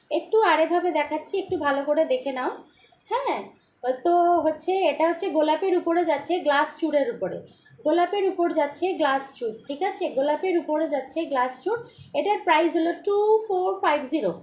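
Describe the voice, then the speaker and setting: A hoarse woman hosting a live-stream jewellery sale, repeating prices and often checking that viewers follow. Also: high voice, a little mellow, reverberant, a little hiss or hum. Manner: repetitive, keeps asking for confirmation. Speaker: jewellery seller. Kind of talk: live-stream sales pitch.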